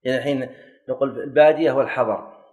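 A man gives a classroom lesson. He quizzes his students, corrects them and jokes lightly. His voice is mid-pitched. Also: fast talker, darkish tone. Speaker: teacher of Islamic jurisprudence.

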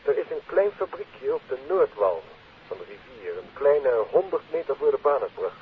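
A Dutch actor playing a secretive, earnest telephone caller in a 1950s radio play. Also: male voice, mid-range voice, very animated, moderate pace. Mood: guarded, urgent. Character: secretive, earnest male caller arranging a meeting. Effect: telephone filter. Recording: tinny phone line, hissy 1950s radio.

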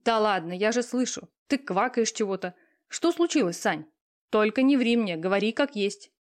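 A woman's voice: mid-range voice, lively intonation, normal speed, natural voice. A woman voicing an anxious middle-aged mother who presses her daughter for the truth. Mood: worried.

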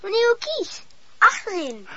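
A woman's voice: very high-pitched, wildly swooping pitch, slow, fairly bright tone, heavily acted. A woman playing a playful, eager little girl in a radio play. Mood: playful, excited. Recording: dull lo-fi radio play recording.

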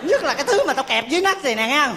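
An actress playing a brash, sharp-tongued market woman who is looking for a husband, firing off insults in a stage comedy sketch. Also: sits high, big pitch swings, long reverb tail. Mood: brash ranting. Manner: brash, fast-talking insults. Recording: live stage with crowd noise.

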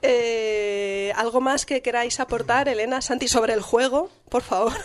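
A woman's voice: fairly high pitch, steady tone, normal speed. A woman hosts a casual radio talk show and teases her guests bluntly. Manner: teasing, blunt, jokey.

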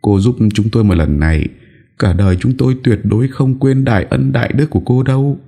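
A man's voice: mid-range voice, a little fast, creaky, mellow, slightly rough, pitched above the performer's own voice. A man voicing a poor young mother who begs tearfully for help for her burned child. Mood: pleading. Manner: pleading, tearful.

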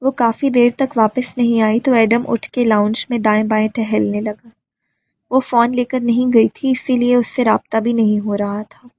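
A woman reads a novel aloud in an even storytelling manner. Her voice is husky and gravelly, sitting a bit high. The recording is dry and thin, like a phone line. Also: dry recording. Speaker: audiobook narrator. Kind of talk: dramatic novel reading.

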